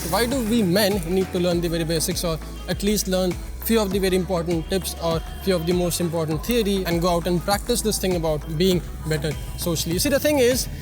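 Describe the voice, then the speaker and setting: A man with a Bengali Indian accent hosting a motivational vlog, speaking emphatically and repeating his phrases as he addresses viewers. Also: sits high. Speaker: YouTube channel host.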